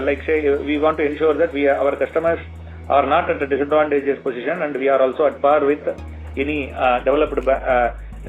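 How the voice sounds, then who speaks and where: Halting Indian man on a tinny phone line. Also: fairly high pitch. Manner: halting, hesitant, with frequent long filler pauses. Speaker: bank executive on an earnings call. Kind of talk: corporate earnings call remarks. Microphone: telephone conference line.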